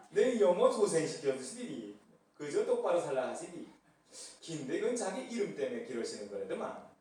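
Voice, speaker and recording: A man voicing a brash northerner with a Pyongyang dialect, loud and emphatic. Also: high-pitched. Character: brash northern man asking what he lacks. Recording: echoey church hall from far off.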